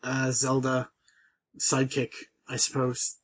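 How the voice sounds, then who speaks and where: A man's voice: medium pitch, monotone, slightly rough. A man co-hosting a podcast, chatting casually about a video game with hesitant restarts. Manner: hesitant, many restarts, measured. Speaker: podcast co-host.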